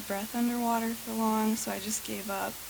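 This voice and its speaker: Over noticeable background noise and audible room echo, a woman talks at a moderate pace in a medium pitch with monotone, flat intonation. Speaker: testimony speaker. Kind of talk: testimony. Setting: church brunch with audience.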